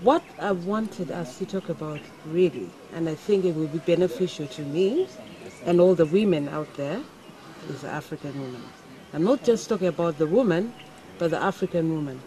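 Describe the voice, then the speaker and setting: A woman hosting a morning talk show, steering her guests with measured questions. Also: deep voice, expressive, mellow, poor audio.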